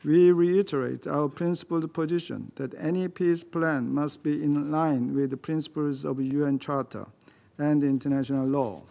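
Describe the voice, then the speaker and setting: A man whose first language is Korean, reading a formal prepared statement as a delegate to a security council, in a measured, deliberate way. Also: a little high, fairly even intonation, creaky, mellow. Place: council chamber.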